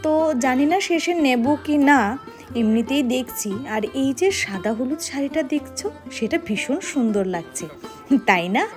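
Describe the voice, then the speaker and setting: A woman's voice: high voice, lively intonation, normal speed, faint music behind. A young woman from Tripura, India, chatting through a casual vlog voice-over in a personal, thinking-aloud way. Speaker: vlogger.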